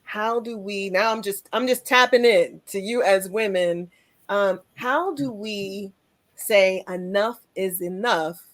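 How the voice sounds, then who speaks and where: A woman hosts a conversational interview in a mid-range voice. Her pace is very slow and measured, and she lays out her questions in short rhetorical phrases. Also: medium pitch, a bit bright. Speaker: talk show host.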